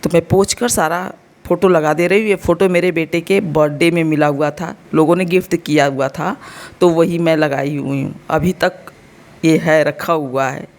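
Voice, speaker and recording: Speaking at normal speed in a low-pitched, steady, slightly mellow voice, a woman in her thirties vlogs casually from home. She is from India, has an Uttar Pradesh Hindi accent and a slightly sore throat, and chats directly to viewers, explaining as she goes.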